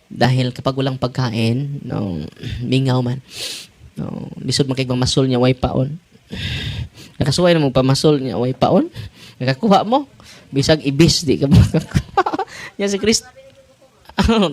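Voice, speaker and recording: A man preaching as a Catholic priest and exorcist, emphatic and often laughing. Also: medium pitch. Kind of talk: sermon.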